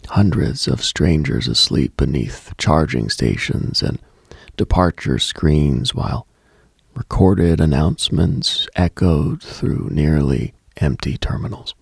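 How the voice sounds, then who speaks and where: A man delivers a late-night mystical radio monologue, speaking close to the microphone in a hushed, breathy, gravelly, husky low voice. Though deliberate and brooding with pauses, he sounds animated, and the recording has no room sound.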